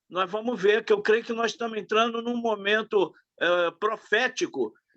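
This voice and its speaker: A man's voice, high in pitch. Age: 70s. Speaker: pastor. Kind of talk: Bible study discussion. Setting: church during a power outage.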